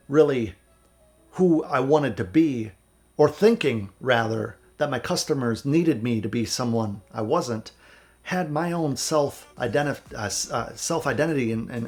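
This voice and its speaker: A man in his thirties from central Wisconsin, a music producer giving earnest, candid motivational advice to camera, raspy and stuffed up with a cold. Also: medium pitch. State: sick with a cold, stuffy nose. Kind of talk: vlog advice talk to camera.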